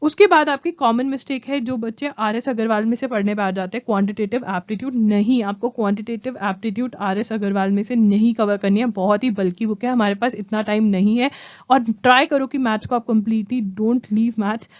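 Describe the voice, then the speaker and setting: Young female tutor, higher voice, dry slightly muffled mic, direct and repetitive. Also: fairly even intonation, a little fast, a little mellow, dry recording. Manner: direct, repeats key points, checks in with "ठीक है?". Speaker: exam coaching educator. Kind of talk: Hinglish exam-prep lesson to camera.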